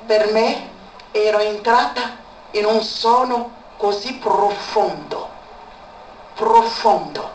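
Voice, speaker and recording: A woman's voice: mid-range voice, slow. A woman giving an emotional spoken testimony, repeating words for emphasis. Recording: echoey room, far from mic, faint background noise.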